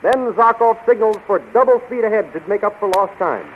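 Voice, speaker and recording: A man's voice: sits high, a little fast, narrow, tinny audio, lightly acted. A man narrating a 1930s radio adventure serial in an urgent, declamatory style. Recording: scratchy, thin 1930s radio recording.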